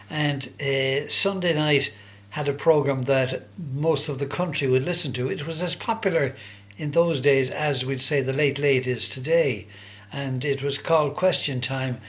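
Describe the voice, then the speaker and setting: An older man speaks in a Dublin accent at a middling pitch. He reminisces casually, like an interviewee in no rush, often hesitating and searching for the right word as he goes. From Dublin, Ireland. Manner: hesitant, conversational, searching for words. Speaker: interviewee recalling his youth.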